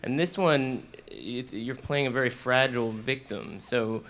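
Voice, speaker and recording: A man's voice: medium pitch, a little slow, a bit bright, slight background noise. A man interviewing an actor and a director, asking loose, conversational questions. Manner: conversational, loose phrasing with "like" and "sort of". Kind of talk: panel interview.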